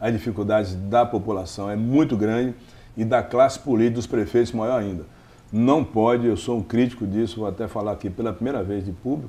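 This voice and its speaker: A man's dark, mellow voice at a medium pitch. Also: ordinary pitch variation, fairly quick pace. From Bahia interior, Brazil. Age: 60s. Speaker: politician. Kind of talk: interview.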